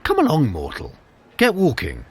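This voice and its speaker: An actor playing a sly, haughty trickster god with a droll, theatrical, sarcastic manner in an audio drama. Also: male voice, fairly high pitch, wildly swooping pitch, normal speed, breathy edge, heavily acted. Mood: haughty, annoyed. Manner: droll, theatrical, feigned innocence. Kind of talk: scripted audio drama dialogue.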